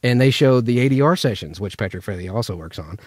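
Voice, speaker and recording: A man's voice: fairly low pitch, expressive, fast, dry recording, clean studio sound. A man from Memphis in the United States, chatting informally as he teaches voice acting through anecdotes. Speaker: voice actor teaching character voices. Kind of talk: casual instructional chat.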